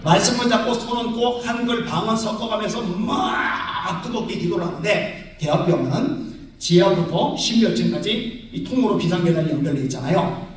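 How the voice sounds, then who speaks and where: Booming pastor in a very echoey hall. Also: male voice, moderate pace, far from the mic. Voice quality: strong, carrying voice. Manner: animated storytelling, acts out voices, sudden shouts. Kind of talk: revival sermon. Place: large church hall.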